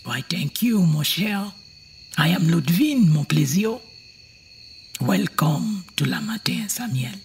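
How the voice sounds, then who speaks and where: An eccentric old village woman in a horror audio drama. Her voice is low, croaky and full of fry, dotted with French phrases. Faint night insects sit behind her. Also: expressive, slow pace, a little mellow, a little hiss or hum. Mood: welcoming. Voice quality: croaky, gravelly.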